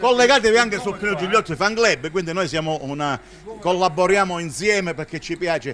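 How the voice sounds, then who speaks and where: A man speaks in an animated tone with a high pitch and lively intonation. Light background noise is present. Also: fairly quick pace. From Calabria, southern Italy. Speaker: local TV show host. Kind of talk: on-location street interviews at a market. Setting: outdoors at a market. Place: market. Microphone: handheld.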